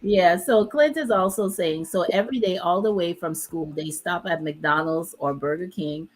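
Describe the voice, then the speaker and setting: Chatty woman, low voice. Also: poor audio. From Dominica. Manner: chatty, laughs often, drawn-out emphasis. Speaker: host. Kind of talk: casual chat.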